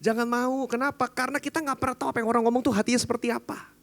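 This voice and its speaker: A man's voice: very high voice, steady tone, racing, gravelly, a bit bright. A man pastor preaching a sermon in a casual, conversational storytelling manner. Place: church service.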